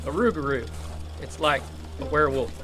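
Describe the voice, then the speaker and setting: A man's voice: mid-range voice, animated, moderate pace, bright, forceful tone, faint music behind. A man acting an earnest, plain-spoken country monster hunter in an audio drama, with a Southern American accent. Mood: earnest, determined. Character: earnest rural monster hunter avenging his uncle.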